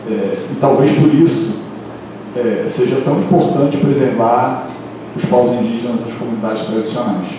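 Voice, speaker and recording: A man's voice: medium pitch, moderate pace. Hesitant man in an echoey hall. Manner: hesitant, many restarts and fillers. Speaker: public defender. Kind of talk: panel talk at a course. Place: lecture room. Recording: echoey hall from far off, noisy.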